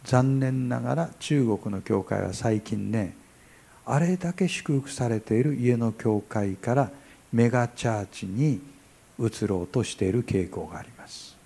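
Gravelly-voiced Japanese pastor preaching. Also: male voice, medium pitch, unhurried. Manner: chatty and humorous, acts out dialogues, shifts from quiet to loud. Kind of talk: sermon.

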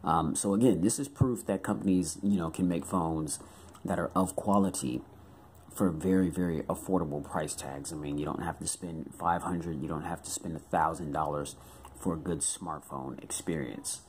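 Hoarse, very deep-voiced man. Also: steady tone, normal speed, darkish tone, a little hiss or hum. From United States. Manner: chatty with many fillers. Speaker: tech reviewer. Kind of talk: casual product review.

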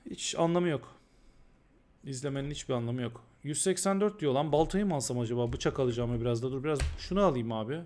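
A man's voice: mid-range voice, expressive, fast, darkish tone. A man streaming a game live and talking casually, often ranting in exasperation and repeating himself. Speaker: gaming streamer.

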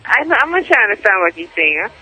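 A woman's voice: medium pitch, very animated, fast, pushed and bright, husky, soft background music. A woman answering a call over a landline phone, speaking politely and briefly, puzzled by the callers. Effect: heard over a landline phone. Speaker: phone receptionist at a ministry. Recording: muffled phone line on radio.

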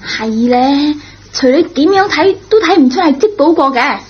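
A woman's voice: sits high, animated, normal speed. A woman playing an earnest, anxious young schoolgirl in a radio drama. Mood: eager, persuasive. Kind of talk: Cantonese radio drama acting. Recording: dull, lo-fi old radio recording.

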